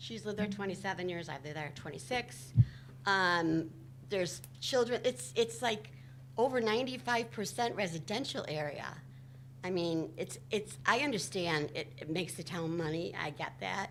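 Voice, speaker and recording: The voice is loud, with very wide pitch swings, at a moderate pace. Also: woman, fairly low pitch for a woman. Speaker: resident giving public comment. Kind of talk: public comment at meeting. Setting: village board meeting.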